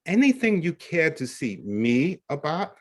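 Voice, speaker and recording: A man playing a busy, dry magazine editor in a play reading, with a measured, deliberate manner. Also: a little high, very animated, darkish tone. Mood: dry, curt. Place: online video call reading. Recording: video call audio.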